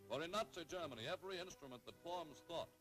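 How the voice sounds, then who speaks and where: A man's voice: fairly high pitch, animated, pushed and bright, soft background music. Man narrating an old 1930s newsreel. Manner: dramatic, emphatic announcing with measured pauses.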